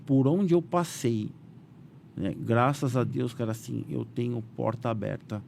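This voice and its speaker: Guest: Brazilian man, animated storyteller, keeps tossing in filler tags, mid-range voice, faint background noise. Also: unhurried, creaky. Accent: Brazilian Portuguese. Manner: animated, voices quotes with raised pitch, frequent "né?" fillers. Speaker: businessman guest. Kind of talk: casual storytelling interview.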